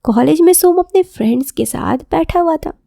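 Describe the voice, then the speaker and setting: A woman's voice: high-pitched, animated, moderate pace, gravelly, mellow, no room sound, clean studio sound. A woman narrating a scripted romantic story as a podcast storyteller.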